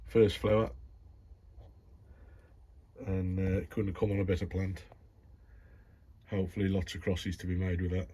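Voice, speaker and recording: A man's voice: sits low, level tone, measured pace, long pauses, dark tone, a little hiss or hum. A man with a Black Country accent giving a casual, rambling video tour as a hobbyist vlogger, chatty and matey. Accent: Black Country English. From Black Country, England. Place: warm grow tent in a shed.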